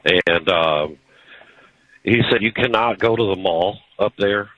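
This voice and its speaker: A man calling in to a radio show, telling a story in a casual, halting way with many fillers. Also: low voice, dry recording. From Chicago. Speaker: caller. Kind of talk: phone-in call. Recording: dull lo-fi phone line.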